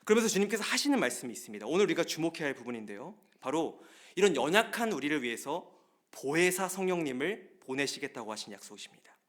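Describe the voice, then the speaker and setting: A man preaching a sermon as pastor, telling stories in a lively way and speaking straight to the congregation in a church. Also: a little high. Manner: lively storytelling, often addresses the congregation directly. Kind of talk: Wednesday service sermon. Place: church sanctuary.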